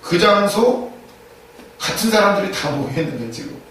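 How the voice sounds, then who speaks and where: A man's voice: high voice, sing-song, normal speed, fairly bright tone. A man preaching a sermon as a pastor, emphatic, repeating key phrases and asking rhetorical questions. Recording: echoey room, distant mic, faint noise.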